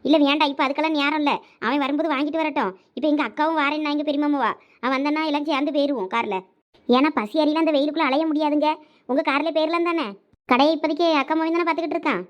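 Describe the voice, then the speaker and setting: A woman's voice: high voice, fairly even intonation, natural voice. A woman playing a deferential village wife in a family skit. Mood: worried. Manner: quick, pleading, deferential.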